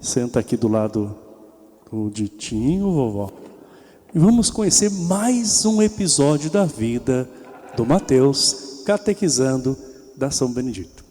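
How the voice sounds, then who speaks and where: A man's voice: mid-range voice, lively intonation, a little slow, dark tone. A man, a priest, chatting with his congregation during a homily in a friendly way. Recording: reverberant church.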